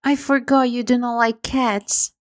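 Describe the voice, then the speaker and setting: A woman voicing a polite, curious young girl in a storybook, speaking gently and earnestly. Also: on the high side, fairly even intonation, measured pace, lightly acted.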